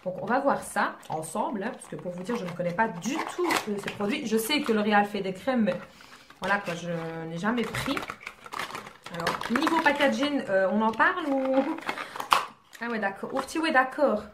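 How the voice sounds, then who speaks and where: A woman's voice: fairly high pitch, animated, normal speed. Chatty young woman in an echoey room. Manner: chatty, rambling, self-mocking with many fillers. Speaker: beauty vlogger. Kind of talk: casual haul chat. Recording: echoey room, faint noise.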